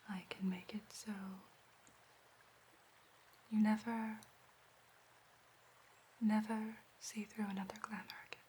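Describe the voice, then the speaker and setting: A woman playing an ancient, gentle elf therapist in a whispered role-play, speaking softly, formally and solemnly in a breathy whisper. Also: medium pitch, level tone, takes it slowly, pauses often, a little hiss or hum, close to an everyday voice, rough recording.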